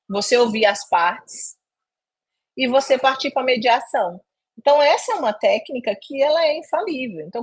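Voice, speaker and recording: A woman's voice: fairly high pitch, husky. A middle-aged woman speaking at a leadership webinar, telling a story from her own work life and acting out the dialogue in it. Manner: animated, acts out quoted dialogue.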